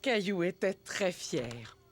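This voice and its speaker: A woman performing as the gentle, expressive storyteller of a cartoon for young children. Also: lowish voice, slow. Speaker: narrator. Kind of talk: scripted children's story narration. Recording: music behind the voice.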